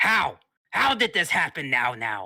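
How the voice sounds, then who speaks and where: A man does a put-on character voice with a hissing quality. He speaks at a fairly slow pace. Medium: actual play. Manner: imperious, hissing, repeats words.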